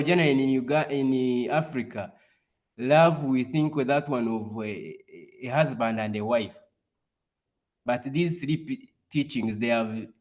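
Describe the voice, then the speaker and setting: A man gives a personal testimony as a guest speaker on a video call, pausing often and restarting his sentences. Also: medium pitch. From Uganda. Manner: halting, with frequent pauses and restarts. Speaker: community group leader, guest speaker.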